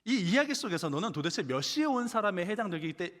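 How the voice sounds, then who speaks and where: A pastor quietly voicing God as a calm, gently questioning male presence, low and hushed, with the hall's reverb around it. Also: quick pace. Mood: gently probing.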